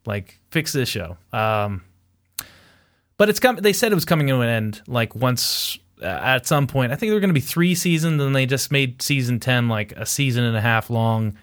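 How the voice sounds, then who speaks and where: A man's voice: mid-range voice, expressive, normal speed. A man hosting a podcast in casual chat, blunt and rambling, swearing freely. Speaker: podcast host.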